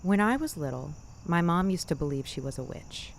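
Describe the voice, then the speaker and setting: A woman hosting a scary story show, narrating a scripted bedtime tale in a measured, deliberate way with dramatic pauses. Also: lowish voice, lively intonation, vocal fry, a little hiss or hum. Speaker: host of a spooky story podcast.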